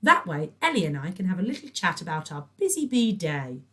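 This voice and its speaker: A woman's voice: on the low side, very animated, a little fast, fairly bright tone. A woman voicing a sickly sweet, scheming middle-aged neighbour in a storybook, trilling and gushing with pet names. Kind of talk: storybook reading.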